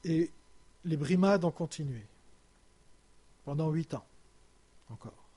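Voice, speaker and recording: Soft-ending French preacher man. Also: animated, breathy edge. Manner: halting, with many restarts and fillers, voice dropping low and soft at phrase ends. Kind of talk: sermon storytelling.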